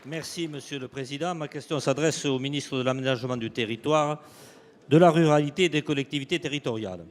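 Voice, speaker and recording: A man, a member of parliament, reading a formal question to a minister in steady, formal tones. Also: on the high side. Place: large parliamentary chamber. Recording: long reverb of a large chamber.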